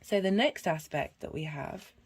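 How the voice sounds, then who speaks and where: A woman with a husky voice and a cough, giving a rambling casual tarot and astrology reading full of fillers and restarts. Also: on the low side, normal speed. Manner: meandering, many fillers and restarts. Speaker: tarot reader.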